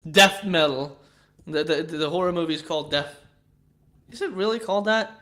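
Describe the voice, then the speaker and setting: A man's voice: on the high side, normal speed, a bit bright. A man with a Swedish accent chatting casually with viewers on a livestream, rambling and swearing, with frequent restarts. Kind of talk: casual chat.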